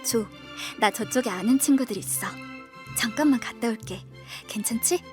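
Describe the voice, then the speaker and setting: 여자가 연기하는 약간 높은 목소리의 단정한 맏언니. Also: female voice, fairly high pitch, moderate pace, music in the background, close to an everyday voice. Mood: kindly. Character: gentle, sensible, proper eldest sister, young woman. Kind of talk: Korean audio drama acting.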